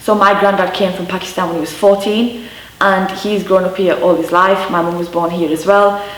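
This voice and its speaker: A woman of medium pitch talks at a moderate pace in a monotone, flat intonation, with noticeable background noise and audible room echo. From Yorkshire, England. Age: 20s. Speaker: interviewee on heritage and dialect. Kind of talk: interview testimony.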